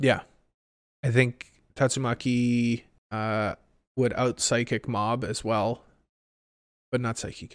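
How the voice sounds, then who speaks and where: On a very clean recording with a silent background, a man talks in a medium pitch with a dry, close sound with no echo. His very slow delivery has monotone, flat intonation and long, frequent pauses. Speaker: anime podcast co-host. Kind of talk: casual chat. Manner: pauses while thinking.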